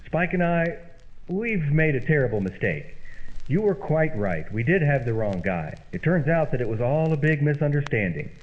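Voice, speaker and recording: Exasperated, pleading radio comedy straight man played by a man, very animated delivery, muffled lo-fi sound. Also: a little high, normal speed. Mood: apologetic, coaxing. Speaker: comedy double-act performer. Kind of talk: old-time radio comedy acting. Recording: muffled, band-limited old-radio sound, faint noise.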